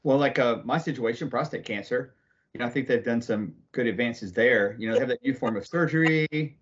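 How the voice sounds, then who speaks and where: A man's voice: mid-range voice, brisk. A middle-aged man co-hosting a casual video-call chat, rambling and asking questions. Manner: conversational, rambling, asks questions. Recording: dull video-call audio.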